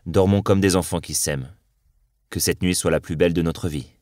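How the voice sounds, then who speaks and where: A man reading the lines of a patient, loving young woman in an audiobook, in a soft, earnest way. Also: deep voice, steady tone, moderate pace, dry recording, clean studio sound, close to an everyday voice. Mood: tender.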